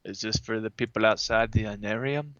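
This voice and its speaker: A man's voice: lowish voice, fairly quick, fairly bright tone, smooth, lo-fi sound, pitched below the performer's own voice, lightly acted. A man as a stiffly formal, puzzled old creature. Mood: puzzled, earnest. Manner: stiff, formal phrasing without contractions. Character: naive, formal centuries-old storybook creature, male, puzzled by humans.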